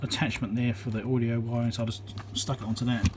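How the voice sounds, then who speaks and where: An electronics repair presenter talking casually as he works at his home workbench, thinking aloud with frequent ums and pauses. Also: mid-range voice, level tone, darkish tone, slight background noise. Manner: thinks aloud with many ums, counts into the mic.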